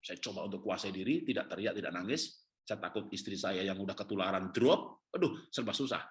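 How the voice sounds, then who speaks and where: A middle-aged man preaching a sermon as a pastor, telling his own story with humor, then sinking into quiet, heavy stretches. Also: low-pitched, expressive, brisk. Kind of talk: sermon with personal testimony.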